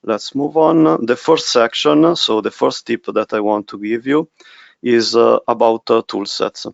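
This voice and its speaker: A man with an Italian accent presenting a software webinar, speaking haltingly with many pauses. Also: mid-range voice, vocal fry, no room sound, dull audio. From Italy. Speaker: technical specialist presenter.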